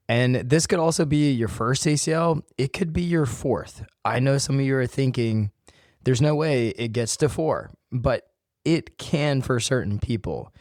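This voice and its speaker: A man hosting his own podcast and talking casually to listeners, his voice a little hoarse from illness. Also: medium pitch, darkish tone, dry recording, studio quality. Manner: conversational, addresses listeners directly. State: voice worn from illness, slightly hoarse. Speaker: podcast host and physical therapist. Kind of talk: solo podcast talk.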